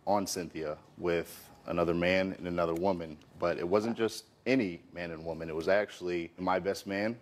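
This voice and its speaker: A man in his thirties with a very low voice lays out his side as the plaintiff in a televised courtroom. He sounds earnest and wronged, and he keeps leaning on "you know" as he goes. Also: fairly even intonation, normal speed, hardly any pauses. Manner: earnest and aggrieved, full of "you know" fillers. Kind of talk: courtroom testimony. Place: TV courtroom set.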